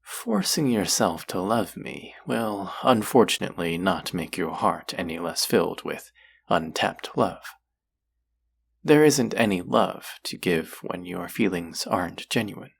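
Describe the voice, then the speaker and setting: A male actor plays a seductive, possessive demon in an intimate audio drama. The voice is very low and husky, and it moves slowly. The delivery is teasing and menacing, often sinking into a whisper. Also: lively intonation, full character voice. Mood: wry, probing. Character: possessive, seductive demon who craves human hearts. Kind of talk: intimate scripted audio roleplay.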